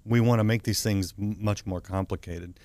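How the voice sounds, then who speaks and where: A man hosts a talk show interview in a dry studio with a low voice. He is chatty and easygoing, and he often stumbles and restarts his sentences. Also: steady tone, normal speed, a little mellow, no echo. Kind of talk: casual interview hosting.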